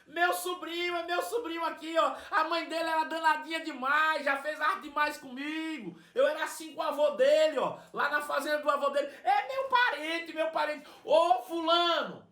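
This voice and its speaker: A man voicing an excited old woman of nearly a hundred who exclaims and repeats herself. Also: sits high, normal speed, hardly any pauses, roomy sound, voice pushed up. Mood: overjoyed.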